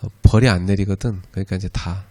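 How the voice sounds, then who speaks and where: A man with a deep, steady, mellow voice talks fast as he preaches a sermon lecture at a church. He's a pastor running an evangelism school, and his conversational style includes frequent "예" and "그죠?" asides to check in with the audience.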